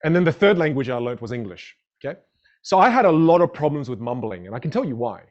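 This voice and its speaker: A man's voice: mid-range voice, very animated, fast, muffled recording. A man whose first language is a Chinese dialect teaches public speaking in a live online masterclass, upbeat and greeting viewers in the chat.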